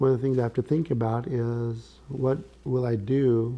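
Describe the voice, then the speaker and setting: At a fairly slow pace, a man speaks in a medium pitch with a dark, mellow tone, a somewhat breathy quality and ordinary pitch variation. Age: 60s. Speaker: businessman with quadriplegia. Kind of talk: interview testimony. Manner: halting, with repetitions and fillers.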